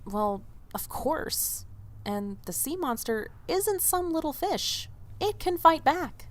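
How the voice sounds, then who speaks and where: A woman's voice: high voice, very animated, slow pace, slight background noise, exaggerated voice. A woman playing an earnest, loyal young diner waitress in audio drama dialogue, speaking expressively and a little hesitantly. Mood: sceptical.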